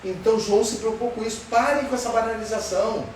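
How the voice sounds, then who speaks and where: A man's voice: high voice, steady tone, quick pace, darkish tone. A man teaches a Sunday school Bible lesson, questioning his class in an emphatic way. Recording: roomy far-off sound with faint noise.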